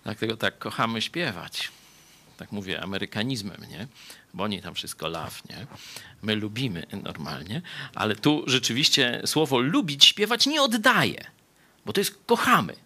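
A male pastor with a fairly low voice delivers a conversational Bible study sermon at normal speed. He often ends sentences with a questioning "nie?" and is lively, moving between soft asides and raised emphasis.

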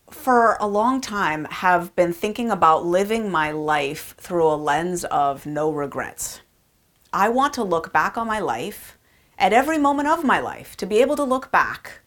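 A woman in her forties hosting a podcast, talking in an earnest, chatty way about personal reflections, with frequent fillers. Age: 40s. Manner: chatty and earnest, with many fillers and lively pitch jumps. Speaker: podcast host.

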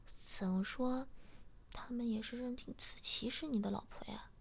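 A woman voicing a sweet, compliant young wife in a soft, coaxing whisper. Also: on the high side, normal speed, vocal fry, slight background noise. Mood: hesitant.

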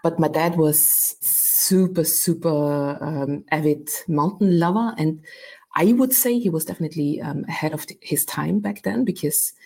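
A woman around forty, talking from home as a podcast guest. Her voice sits low and husky, with a gravelly fry, and she chats in an upbeat, easy way, laughing often. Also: normal speed, warm tone. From Austria. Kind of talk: casual interview chat.

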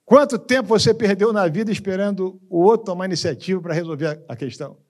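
A man with a Brazilian accent preaching a sermon as pastor, telling a story dramatically and swinging from hushed lines to loud ones. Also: high voice, fast. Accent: Brazilian Portuguese. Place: church.

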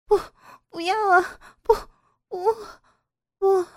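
A woman's voice: very high-pitched, steady tone, extremely slow, a bit bright, pitched above the performer's own voice, full character voice. A woman voicing a frightened young female teacher who is held captive, crying and stammering through her pleas. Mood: pleading, crying.

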